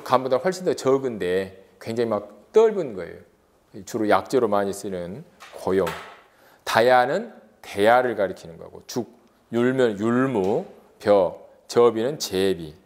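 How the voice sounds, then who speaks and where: A man's voice: fairly low pitch, animated, a little slow, darkish tone. A man giving an exam-prep lecture, asking rhetorical questions and drawing out vowel sounds as examples.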